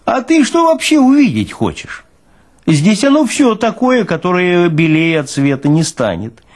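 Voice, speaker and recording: A man's voice: high voice, big pitch swings, a little slow, pitched above the performer's own voice. A man voicing a burly, smirking senior morgue orderly in an audiobook, with a folksy, mocking, philosophizing way of talking. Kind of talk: dramatized audiobook character reading.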